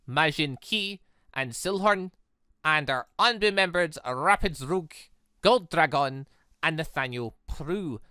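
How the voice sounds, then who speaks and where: A gaming video host giving casual, rambling playthrough commentary in an animated way, often repeating words. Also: mid-range voice, smooth, no echo, studio quality.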